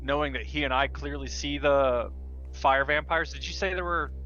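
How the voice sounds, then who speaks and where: Male tabletop player, casual, bright forceful tone, slightly muffled recording with music underneath. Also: a little high, normal speed. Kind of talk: casual tabletop role-play chat. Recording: slightly dull audio with music behind.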